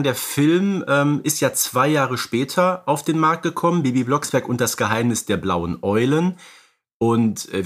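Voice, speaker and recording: A man's voice: medium pitch, fairly bright tone. A man co-hosting a podcast in a studio, discussing films casually and dropping in tag questions that seek agreement. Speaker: podcast host.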